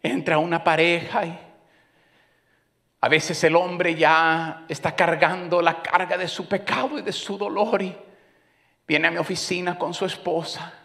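A pastor giving a sermon on a church stage, swinging from loud, passionate preaching to soft, hushed whispers. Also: male voice, a little high, creaky, big-room sound.

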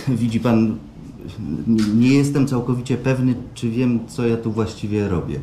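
An actor playing an unsure, downcast client in a radio play, speaking politely in a halting, tentative stammer. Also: male voice, medium pitch, dark tone, natural voice. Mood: uneasy. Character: hesitant, unsure, downcast male client seeking help. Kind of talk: naturalistic radio play acting. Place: performed live at a radio theatre festival. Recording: roomy live stage sound, faint noise.

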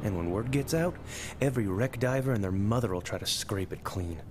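A man's voice: on the low side, brisk, close to an everyday voice. An actor playing a wary, stubborn male wreck diver in a motion comic, speaking in a terse, skeptical way. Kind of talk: dramatic motion-comic acting. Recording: loud dramatic music over voice.

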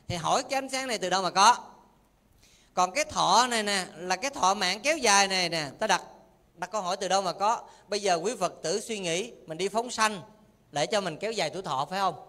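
A high-voiced male monk preaching. He teases the listeners with quick questions and keeps his sermon lively and playful. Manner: lively, teasing questions to the audience. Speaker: Buddhist monk teacher. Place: temple hall.

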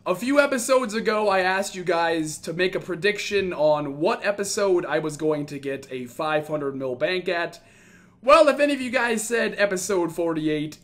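A man's voice: sits high, a bit bright. A man giving casual, chatty commentary over his own gameplay, upbeat and prone to casual swearing. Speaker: gaming YouTuber.

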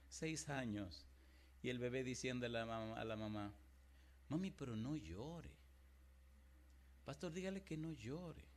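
Man preaching with dramatic swings. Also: medium pitch. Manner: dramatic preaching that swings from loud exclamations to hushed storytelling. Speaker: pastor. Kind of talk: sermon.

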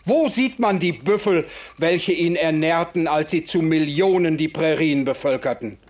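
An actor playing an impassioned writer in a radio play, speaking in declamatory, old-fashioned formal sentences. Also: male voice, on the high side, moderate pace, close to an everyday voice. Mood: indignant. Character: impassioned male writer defending the oppressed. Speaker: author figure in conversation. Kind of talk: German radio play acting.

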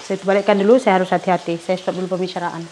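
A woman's voice: fairly low pitch, level tone, rapid-fire, darkish tone. Middle-aged woman, cooking vlogger, tinged speech, chatty, talks straight to viewers, light kitchen noise. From Indonesia. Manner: chatty, addresses viewers as pemirsa. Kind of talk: casual chat while cooking. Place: home kitchen.

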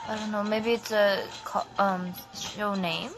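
A woman, chatting slowly and giggling on a phone livestream from a small bedroom. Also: medium pitch, steady tone, over music, rough recording. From South Korea. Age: 20s. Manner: slow, searching for words, giggly. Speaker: livestream co-host. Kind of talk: casual livestream chat. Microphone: phone camera close up.

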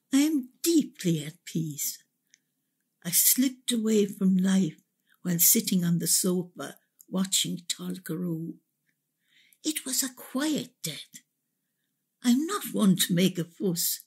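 Woman as slow, husky spirit of Irish mother Margaret. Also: medium pitch, lively intonation, a little mellow. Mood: serene. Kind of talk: radio drama monologue.

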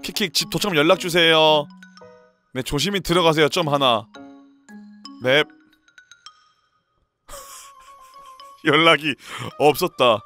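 High bright-voiced excitable male streamer. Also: slow, pauses often, faint music behind. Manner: excitable, loud outbursts and profane rants. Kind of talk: playing a dating game, reading messages aloud.

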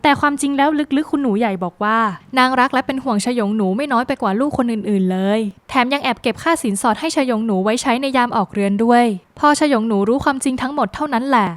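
A woman narrating a scripted drama plot recap in a brisk, lively storytelling manner with dramatic phrasing. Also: a little high, no room sound.

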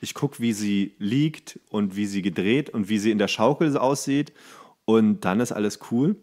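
A man's voice: on the low side, moderate pace, a little mellow. A man chatting casually as a podcast co-host, teasing and spinning hypothetical scenarios. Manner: teasing, spins hypothetical scenarios with acted-out quotes. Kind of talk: casual comedic podcast banter.

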